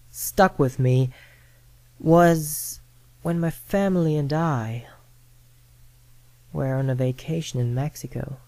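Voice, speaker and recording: A performer plays a horror storyteller with an easygoing, halting delivery. The pace is very unhurried, with pauses between phrases. The sound is dry, with no room echo. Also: medium pitch, dark tone. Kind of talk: scripted horror storytelling and acted banter.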